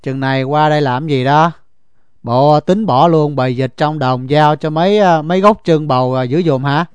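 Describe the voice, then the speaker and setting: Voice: mid-range voice, moderate pace, clean tone, dry recording, close to an everyday voice. A performer voicing a coaxing, bantering young rural boyfriend in an audio story. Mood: teasing. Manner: bantering, wheedling.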